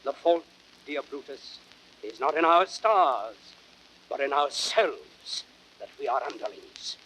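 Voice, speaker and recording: A man's voice: mid-range voice, animated, takes it slowly, sharp tone. An actor playing a bitter, persuasive, scheming Roman nobleman in declamatory classical Shakespearean style. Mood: impassioned, persuasive. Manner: declamatory, impassioned, rhetorical. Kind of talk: classical Shakespearean radio drama acting. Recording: noisy vintage spoken-word drama record.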